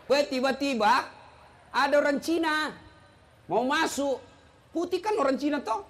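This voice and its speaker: A middle-aged man preaching a humorous sermon, teasing the crowd and breaking into shouts. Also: extremely high pitch, lively intonation, measured pace. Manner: joking, teasing, storytelling, bursts of shouting.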